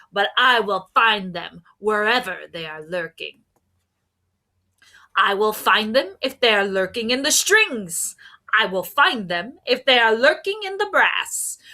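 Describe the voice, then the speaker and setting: A woman voicing a pompous, excitable, vain male inspector in a storybook, declamatory and self-important. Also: on the high side, full character voice.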